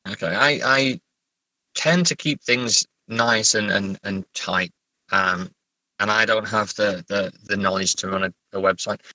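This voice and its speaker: A man's voice: fairly low pitch, measured pace, pushed and bright, no room sound, rough recording. A man talking casually as a guest author in an interview, chatty and self-deprecating.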